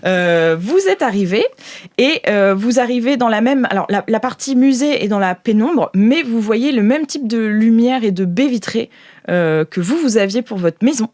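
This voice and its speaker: A woman's voice: a little high, expressive, moderate pace, a little mellow, no echo, studio quality. A woman improvising tabletop game narration as game master, informal and searching for words.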